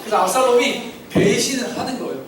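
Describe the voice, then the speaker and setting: High-pitched children's pastor quizzing kids, very echoey hall, distant mic, kids heard around him. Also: male voice, very animated, fast talker, a crowd in the background. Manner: asks kids questions, leads call-and-response. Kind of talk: interactive children's sermon. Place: church hall.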